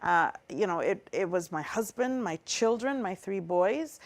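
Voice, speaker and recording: A middle-aged woman from Trinidad and Tobago speaks as an interview guest, her medium-pitched voice lively in intonation but a little slow. She talks earnestly and reflectively, using many fillers.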